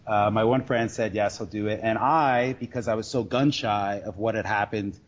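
Guy telling stories in an interview, rambly n halting, kinda muffled lofi audio. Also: fairly low pitch, fairly even intonation. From Queens, New York. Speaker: sports bettor guest. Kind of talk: casual storytelling interview. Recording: dull lo-fi audio.

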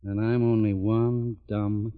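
An actor playing a tough, wisecracking homicide lieutenant who also narrates a 1950s radio drama, in dry, clipped lines. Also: male voice, lowish voice, flat delivery, takes it slowly. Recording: dull old radio recording with music.

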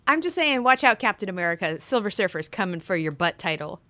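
A woman's voice: mid-range voice, very animated, fast talker, sharp tone, dry recording. A woman co-hosting a podcast in a casual, chatty style with playful, joking asides. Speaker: podcast co-host. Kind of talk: casual chatty event preview.

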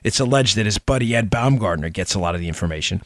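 A man's voice: fairly low pitch, animated, fast talker, dry recording. Emphatic male political host, very dry studio sound. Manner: emphatic, rhetorical questions, repeats phrases, addresses listeners directly. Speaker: political talk show host. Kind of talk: opinionated political commentary.

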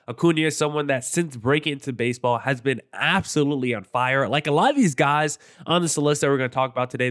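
A young man with a congested, nasal voice, hosting a solo sports podcast in a casual, energetic rundown. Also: mid-range voice. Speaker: podcast host.

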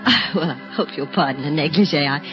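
A woman's voice: sits low, quick pace, over music, lightly acted. An actress playing a flirtatious married woman, coy and teasing, in 1940s radio drama style. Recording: dull lo-fi old radio recording.

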